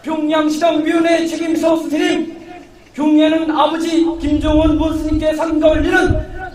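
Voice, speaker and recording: A young speaker with a North Korean accent delivering a loud, rigidly formal ceremonial report in a declamatory manner. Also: sits high, little pitch movement, normal speed, faint music behind. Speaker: youth relay participant giving a report. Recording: distant echoey outdoor mic, crowd noise.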